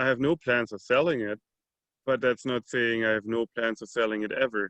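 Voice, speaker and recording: Speaking at a fairly quick pace with a German accent, a man keeps a medium pitch and fairly even intonation in a dry, close sound with no echo. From Germany, Alpine foothills. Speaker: brewery founder. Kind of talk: podcast interview.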